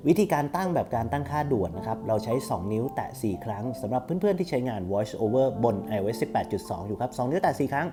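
A man's voice: mid-range voice, very animated, fast talker, hardly any pauses, music in the background. A man hosting a casual step-by-step tutorial, instructing politely and repeating steps as he goes. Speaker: tutorial host for screen reader users.

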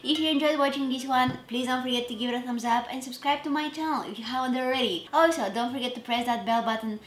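A woman's voice: high-pitched, fast talker, slight background noise. Chatty woman vlogging in an echoey kitchen. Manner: chatty, self-deprecating, trails off mid-sentence. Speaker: cooking vlogger. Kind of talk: casual cooking vlog. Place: home kitchen.

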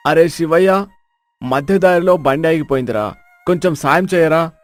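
A man voicing an aggrieved village farmer in an animated moral story, talking in a complaining way. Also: on the high side, normal speed, faint music behind, natural voice. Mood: pleading.

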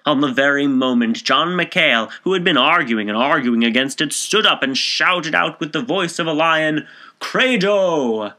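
A self-assured middle-aged gentleman, as a male narrator plays him, holds forth in a storybook tale. His delivery is declamatory and solemn, with a sharp, forceful edge on each point. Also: moderate pace, hardly any pauses. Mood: triumphant, solemn. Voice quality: deep, raucous.

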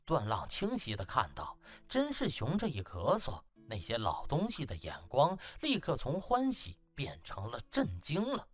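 A man's voice: mid-range voice, huge pitch swings, normal speed, hardly any pauses, soft background music. A man narrating an audiobook as dramatic scripted storytelling, in a theatrical, emphatic manner.

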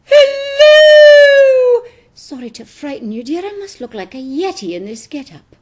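Excitable older nanny. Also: female voice, very high-pitched, a little slow, voice pushed up. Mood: flustered.

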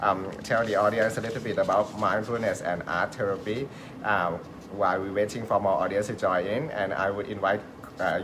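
A man from Thailand with a Thai accent, hosting and teaching on a live stream. He talks in a halting way, searches for words and chuckles often. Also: on the low side, background noise. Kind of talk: live-stream talk, switching between English and Thai.

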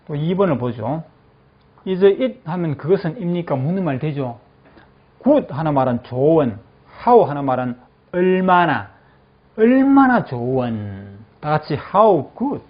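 A male English teacher in a classroom, saying phrases slowly and then explaining them, often checking that the class follows. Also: fairly high pitch, very animated. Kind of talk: classroom lecture with repeat-after-me drills. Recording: dull lo-fi classroom recording.

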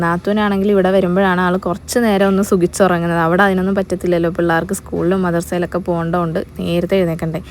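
Chatty young woman with a lowish voice. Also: a little hiss or hum. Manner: chatty, often turns to viewers with asides. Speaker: family vlogger. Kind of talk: casual day-in-my-life narration.

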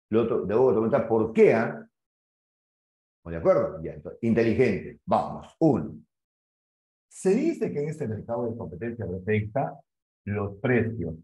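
A man with a Peruvian accent teaching economics in an animated, questioning way, acting out little stories for his students. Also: on the low side. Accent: Peruvian Spanish. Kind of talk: lively classroom lecture. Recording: echoey room, dull sound.

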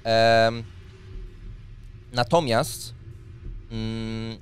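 A man's voice: on the low side, level tone, very slow, faint music behind. A man in his thirties acting as game master, explaining rules and narrating a tabletop role-playing scene. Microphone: studio microphone on a boom arm. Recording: clear background noise.

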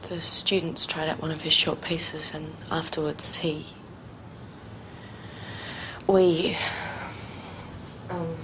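An actress playing a young violin student, speaking hesitantly and haltingly. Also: female voice, low voice, little pitch movement. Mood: troubled, hesitant. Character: young woman, anxious violin student in love. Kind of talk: television drama acting. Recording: noisy TV soundtrack.

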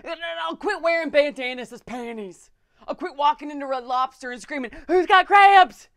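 A woman's voice: sits high, moderate pace, fairly bright tone. A woman playing a hard-living, trashy bartender, pleading desperately in lists in a comedy monologue.

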